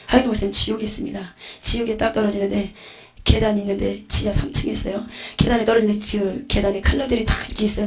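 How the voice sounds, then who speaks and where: A woman's voice: mid-range voice, creaky. A woman giving a fervent religious testimony, telling it dramatically and dropping into whispered asides. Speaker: testimony preacher.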